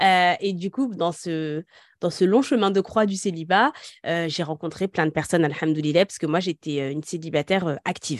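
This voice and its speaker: Against a quiet background, a woman speaks at a fairly low pitch with ordinary pitch variation, the sound dry and close with no echo. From northeastern France, Senegalese heritage. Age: 30s. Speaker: podcast host and former author. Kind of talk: casual interview chat. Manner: lively; halting.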